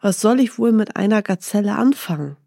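A woman's voice: mid-range voice, expressive, brisk, creaky, warm tone, no echo, clean studio sound. A woman voicing a poor, ragged male beggar in a storybook, who sounds fretful and doubtful. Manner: fretful, questioning.

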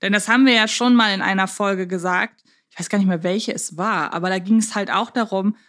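A woman's voice: mid-range voice, brisk, fairly bright tone. Female podcast co-host, conversational and discursive, mid-range voice. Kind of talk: casual chat about audio dramas.

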